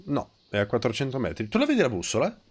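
A man's voice: mid-range voice, wildly swooping pitch, fast talker, slightly rough. A man in his thirties with a nasal, stuffed-up voice, chatting casually and bluntly as he streams a video game, teasing and swearing. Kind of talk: casual live gameplay chat.

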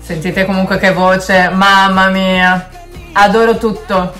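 A woman's voice: medium pitch, level tone, slow, a bit bright. A young Italian woman reacting to a music video, gushing, stammering and singing along. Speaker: kpop reaction youtuber. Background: music playing.

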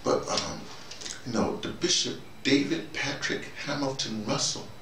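An older American man giving a rambling, halting conversational monologue, repeating himself and speaking colloquially with emphasis. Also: mid-range voice, vocal fry. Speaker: host, storytelling activist. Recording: noisy, roomy, distant microphone.

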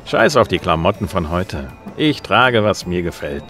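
An actor playing a self-assured, gruff bounty hunter in a science fiction radio play, dry and laconic. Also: male voice, sits low, very animated, moderate pace, a bit bright, heavily acted. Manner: laconic, dry, noir-style. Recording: music under the voice.

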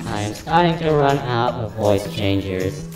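A man's voice: on the low side, animated, unhurried. A man commentating on his shooter game, his voice run through an echoing voice changer. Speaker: gamer. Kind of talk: gameplay commentary. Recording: echoey, distant, loud game music behind.

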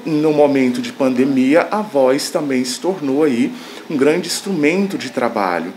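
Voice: medium pitch, expressive, measured pace, a little mellow. Expert explaining to camera, slightly hesitant, faint background noise. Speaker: speech therapist.

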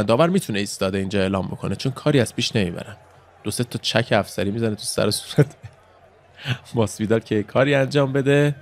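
A man's voice: on the low side, gravelly. A man giving casual play-by-play commentary on an old fight as the channel's host, explaining moves and drifting into chatty asides.

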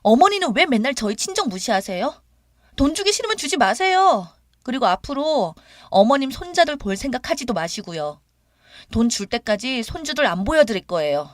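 Woman doing a shrill, entitled young daughter-in-law, raised and pushy, audio drama. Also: very animated, fairly quick, no room sound, studio quality. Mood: indignant.

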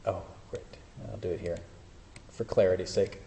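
A low, gravelly, dark-toned male voice speaks at normal speed with a steady tone. He's giving a casual classroom lecture with live demonstrations, correcting himself and joking dryly, in a lecture hall whose roomy echo comes through along with faint hiss.

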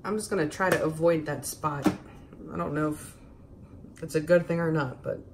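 A woman's voice: deep voice, fairly even intonation, normal speed, slight background noise. A woman with a Baltimore accent casually narrates a craft demonstration, thinking aloud in a hesitant, self-deprecating way. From Baltimore, United States. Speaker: host demonstrating acrylic pouring.

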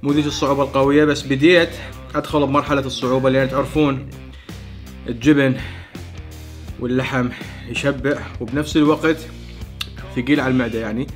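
A man's voice: medium pitch, little pitch movement, fast talker, pauses often, faint music behind. A man in his thirties with an Iraqi Arabic accent, hosting a food challenge and chatting between mouthfuls. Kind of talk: casual eating vlog. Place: small indoor home studio.

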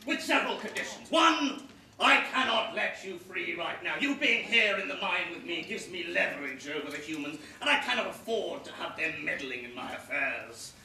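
A man's voice: high voice, creaky, sharp tone, heavily acted. A man playing a bossy, scheming, pompous goblin villain in an amateur stage pantomime. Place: theatre stage, filmed from the back. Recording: distant echoey theatre recording, noisy.

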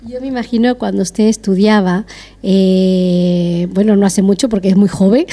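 A woman's voice: medium pitch, steady tone, normal speed, dark tone. A middle-aged woman hosting a TV interview, speaking in an effusive, complimentary way into a handheld mic. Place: decorated restaurant patio.

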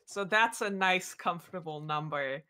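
Female panelist, bright forward tone, informal remote conversation. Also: fairly low pitch, normal speed. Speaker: panelist, podcast writer. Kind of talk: casual panel discussion. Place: indoor room, video call.

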